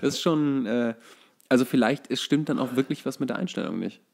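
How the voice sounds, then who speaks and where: A man's voice: medium pitch, expressive, fairly quick, creaky, darkish tone. A man with a German accent co-hosting a podcast, chatting casually about football and often searching for words mid-sentence. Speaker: podcast co-host.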